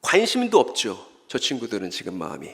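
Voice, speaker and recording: The same church-hall lecturer, his mid-range voice bright and a touch fast, swings hugely in pitch and slips into vocal fry. He questions the audience and answers himself, performing short scripture dialogues in voices amid the hall's long reverb.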